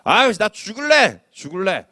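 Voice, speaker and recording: A man's voice: sits high, sing-song, normal speed, pushed and bright, dry recording, studio quality, voice pushed up, heavily acted. A pastor voicing a despairing man who wails and complains that he would rather die. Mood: sulky. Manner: wailing, exasperated.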